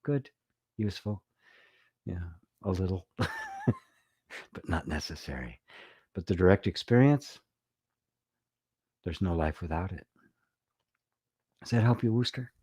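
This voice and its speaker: A middle-aged man, a spiritual teacher, giving an unhurried, reflective talk and answering viewers' comments. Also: sits low, wildly swooping pitch, darkish tone, breathy edge, dry recording, clean studio sound. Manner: unhurried, reflective, often ending with "right?"; reads viewer comments aloud. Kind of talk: live-streamed satsang talk.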